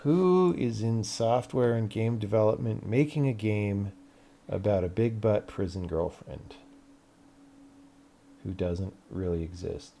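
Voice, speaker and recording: A man's voice: fairly low pitch, measured pace, creaky, warm tone, slight background noise. A man who hosts a game development livestream, chatting casually in a dry, grumbling, offhand way.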